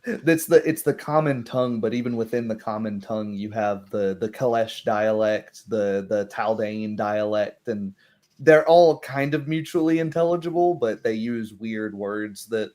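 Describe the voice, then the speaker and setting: A man's voice: on the low side, moderate pace, darkish tone. A man chatting casually as the game master of a roleplay group, rambling and interrupting himself. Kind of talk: casual post-game discussion.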